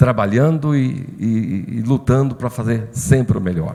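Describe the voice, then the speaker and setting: A man with a dark, mellow tone and medium pitch talks very slowly with ordinary pitch variation. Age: 60s. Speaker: pastor. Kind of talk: sermon.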